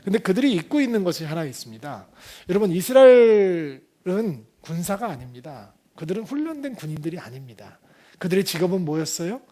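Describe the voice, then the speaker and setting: High-voiced man preaching a sermon. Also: very animated, brisk, dark tone. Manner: emphatic preaching with rhetorical questions to the congregation. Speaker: pastor.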